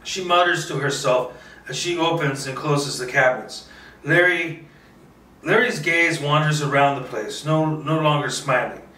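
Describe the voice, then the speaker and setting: Man, bright forceful voice, informal script reader with occasional stumbles, echoey room, slightly off-mic. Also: a little high, a little slow. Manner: stumbles and repeats words while reading. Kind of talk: informal screenplay table read, narrating action. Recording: roomy echo, distant mic.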